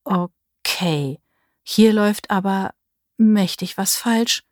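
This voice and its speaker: A woman's voice: mid-range voice, slow, a little mellow, dry recording, clean studio sound, natural voice. A woman voicing a flustered, embarrassed young woman in an audiobook romance, by turns stammering and snappy.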